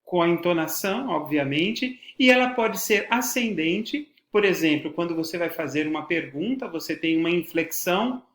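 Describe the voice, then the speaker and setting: A man's voice: on the high side, animated, normal speed, hardly any pauses, a bit bright. Brazilian guy teaching a class, formal and didactic, leans on key words, roomy echo. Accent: Brazilian Portuguese. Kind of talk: educational lecture on voice and podcasting.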